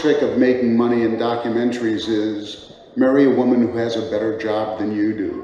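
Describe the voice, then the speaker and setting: A man with an American accent and a medium pitch at a moderate pace, with music in the background and audible room echo. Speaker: documentary producer. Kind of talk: lecture. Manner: halting, many repetitions.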